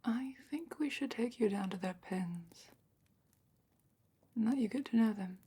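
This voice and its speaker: A woman playing a gentle, knowledgeable dragon keeper in a fantasy ASMR roleplay, speaking in a hushed, breathy, unhurried way that often drops into a whisper. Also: fairly high pitch, animated, heavily acted. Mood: soft, inviting. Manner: hushed, unhurried, careful explaining.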